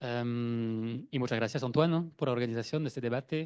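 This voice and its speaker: A man's medium-pitched voice moves at a fairly slow pace, its pitch varying in an ordinary way. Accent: non-native. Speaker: political scientist, panel discussant. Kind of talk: academic panel discussion. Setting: university panel debate. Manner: halting.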